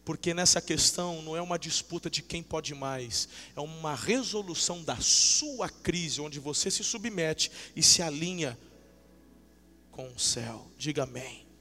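A man preaching a sermon, swinging from shouted outbursts to low, intimate talk and acting out dialogue fervently. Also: moderate pace, few pauses, soft background music. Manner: fervent and emotional, acts out dialogue. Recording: long reverb of a large hall.

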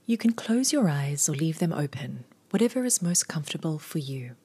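Warm and low-pitched, this woman's breathy near-whisper is very animated as she leads a scripted guided body scan. She gives soothing instructions slowly, in short phrases.

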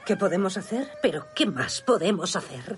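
A woman's voice: mid-range voice, big pitch swings, moderate pace, slight background noise, lightly acted. An actress playing an anxious, secretive village mother who answers hesitantly and evasively.

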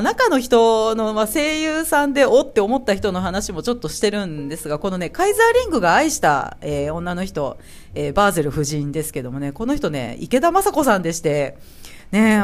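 Hosting a solo chat podcast about anime, a woman with a Kansai Japanese accent talks at a medium pitch. She's chatty and laughs often, acting out the characters' lines as she goes.

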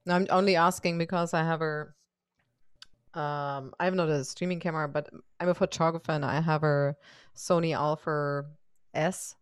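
German-accented woman, clear low voice. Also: fairly even intonation, normal speed, dry recording, clean studio sound. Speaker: interview host, photographer. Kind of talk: casual conversational interview.

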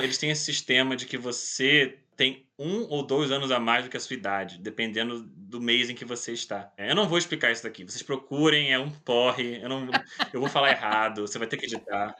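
Brazilian guy late 20s, bright forward voice, jokey casual interview chat. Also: medium pitch. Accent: Brazilian Portuguese. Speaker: interview guest.

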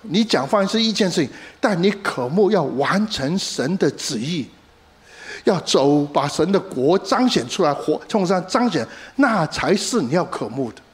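A middle-aged male pastor preaching a sermon, animated in his emphasis, dropping English words into his talk and telling stories along the way. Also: a little high, normal speed. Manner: code-switches with English words, animated emphasis, storytelling asides.

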